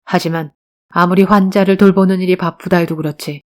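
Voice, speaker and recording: A woman voicing a tall, composed young male detective who speaks in a cold, measured way in an audiobook drama. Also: fairly low pitch, steady tone, darkish tone, lightly acted.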